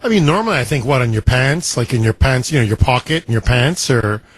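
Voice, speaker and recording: A male talk radio host, congested with a scratchy throat, telling stories in an animated way with sound effects. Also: mid-range voice, fairly quick, husky. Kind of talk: talk radio monologue and caller chat. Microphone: studio microphone.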